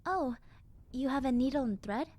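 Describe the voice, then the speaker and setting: A woman playing a gentle, chatty young zombie girl in a roleplay audio drama, musing conversationally to the listener. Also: sits high, moderate pace. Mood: friendly, grateful. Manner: soft-hearted, conversational, musing.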